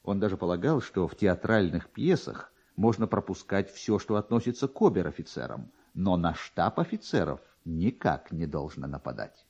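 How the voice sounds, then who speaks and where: A man narrating classic literature as an expressive storyteller, with a wry, theatrical manner. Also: low-pitched, normal speed, vocal fry, few pauses, breathy edge, highs cut off. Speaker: narrator, reader.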